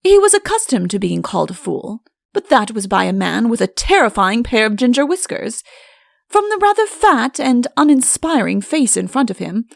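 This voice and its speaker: A woman's voice: a little high, gravelly, dry recording, clean studio sound. A woman reading a comic fairy-tale audiobook as a scripted narrator.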